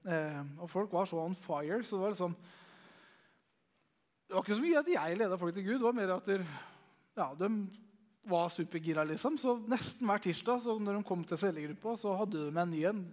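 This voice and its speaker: Sharing his Christian testimony, a young youth leader tells the story in a conversational way packed with fillers. He speaks in a high voice with lively intonation.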